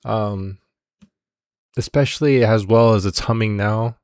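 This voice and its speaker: A man voicing a gruff male mechanic character in a tabletop game, with a drawling, offhand delivery. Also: on the low side, measured pace, a little mellow, dry recording, clean studio sound.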